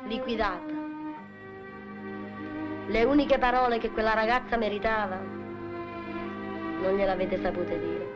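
A stern middle-aged woman scolds sharply in a high voice. Music plays clearly behind her, as in an old film soundtrack. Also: expressive, takes it slowly, pauses often, lo-fi sound. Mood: reproachful. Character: angry middle-aged sister scolding two men. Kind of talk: 1950s film comedy acting.

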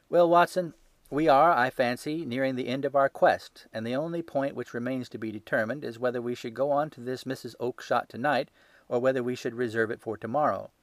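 An assured gentleman detective speaks blandly and courteously, a man voicing him. His delivery is measured and never hurried. The recording is dry, with no room around it. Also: medium pitch, no echo, natural voice. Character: calm, urbane male detective, bland and assured.

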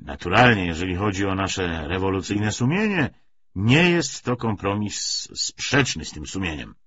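A man's voice: sits low, animated, a little slow, a bit bright, husky, exaggerated voice. A man voicing a pompous communist commissar delivering a declamatory political lecture in an audiobook novel. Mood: self-righteous. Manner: declamatory, rhetorical, emphatic. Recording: slightly dull, lo-fi audiobook recording.

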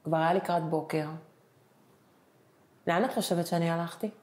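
A middle-aged woman, an interview guest, tells her personal story with emotion and acts out the conversations she recalls. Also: fairly low pitch. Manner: animated, acts out the dialogue she retells. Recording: roomy echoing room.

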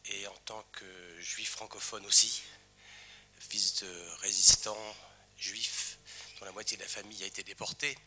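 A man's voice: lowish voice, little pitch movement, a little slow, bright, forceful tone, a little hiss or hum. A man giving formal, emphatic and moved remarks at a conference lectern. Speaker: conference speaker.

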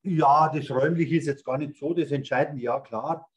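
A man's voice: a little high, steady tone, normal speed, slightly rough. Older Bavarian man telling stories. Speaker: guest, speaker agency founder. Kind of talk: casual interview over video call. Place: indoors, in front of a red stage curtain backdrop. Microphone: video call.

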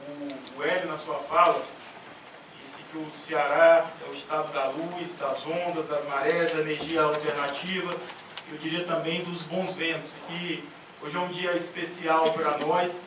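A man's voice: a little high, level tone, measured pace. A man, an agency director, giving a ceremonious formal speech at a conference panel into a handheld mic. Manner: ceremonious, greeting officials one by one. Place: large conference auditorium. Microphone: handheld mic, seated at a panel table. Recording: echoey hall from far off, clear noise.

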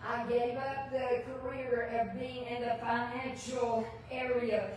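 A woman's voice: a little high, flat delivery, slow pace, a little mellow. Older woman preaching in an echoey church. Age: older, retired. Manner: earnest, emphatic, repeats phrases for emphasis. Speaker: Bible teacher preaching in church. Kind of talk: personal, devotional Bible teaching sermon. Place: large church sanctuary, indoors. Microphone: distant camera microphone. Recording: echoey church hall from far off, background noise.

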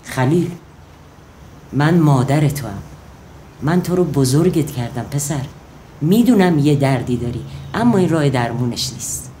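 A woman's voice: deep voice, animated, pauses often, dark tone, slight background noise. An actress playing a firm older widowed grandmother who scolds her grown son in a motherly way. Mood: pleading. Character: stern widowed grandmother, a medical student. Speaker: widowed grandmother turned medical student.

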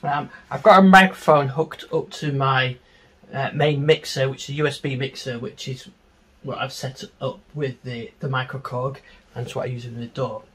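A middle-aged man giving an informal, unscripted tutorial on music software, explaining step by step into a handheld microphone in a small home studio. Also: medium pitch, steady tone, moderate pace, breathy edge. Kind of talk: informal screen-share tutorial.

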